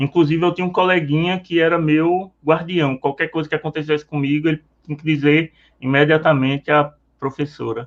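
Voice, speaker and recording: A man's fairly high voice in a Pernambuco accent, fairly quick and monotone with flat intonation, in a dry, close sound with no echo. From Recife, Pernambuco, northeastern Brazil. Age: 50s. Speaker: tax auditor. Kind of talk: interview.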